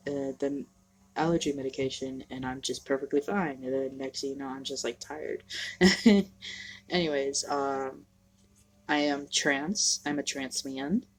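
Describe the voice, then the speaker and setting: A young trans man talking candidly to the camera in a casual home vlog, halting and self-deprecating, sniffly from allergies. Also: mid-range voice, rough recording. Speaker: vlogger. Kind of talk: casual personal vlog monologue.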